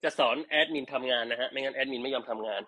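A man's voice: mid-range voice, steady tone, fast talker, pushed and bright. A man chatting casually and teasing jokingly while selling products on a live stream.

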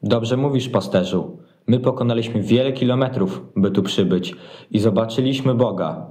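A man's voice: fairly low pitch, moderate pace, warm tone, lightly acted. A man playing a dignified, travelled wise man in an amateur nativity audio play. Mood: solemn approval. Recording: roomy, echoing sound.

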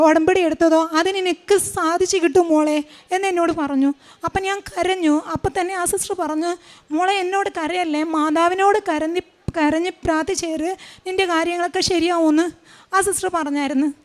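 A woman's voice: very high-pitched, fairly even intonation, a little fast. A middle-aged woman giving an earnest personal faith testimony, retelling what others said to her. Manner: earnest, retelling events with many quoted lines. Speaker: testimony speaker.

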